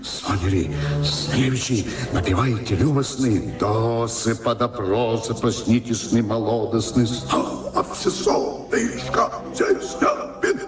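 Casting: male actor as mysterious old wizard chanting lullaby spells, very slow, swooping wildly, radio drama with music behind. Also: mid-range voice, animated, close to an everyday voice. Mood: hypnotic, mysterious. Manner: drawn-out, half-sung incantation with whispery swoops. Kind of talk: theatrical verse radio play. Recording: echoing studio effect, prominent music behind.

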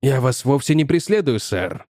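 A man voicing a calm, evasive young male scientist who answers in a coolly dismissive, polite way. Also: mid-range voice, moderate pace, dry recording, clean studio sound, lightly acted.

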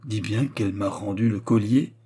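A frightened, deferential jeweller from a storybook, played by a man reading aloud. His voice is mellow and husky, agitated and pleading as he protests. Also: on the low side, normal speed. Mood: trembling disbelief. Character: flustered, frightened male jeweller, respectful and desperate.

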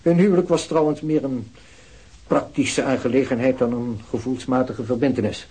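A smug businessman with a dark, husky voice, played by a man in a radio play. He talks formally and with quiet condescension. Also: mid-range voice, normal speed, close to an everyday voice, poor audio. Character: smug, self-assured male businessman.

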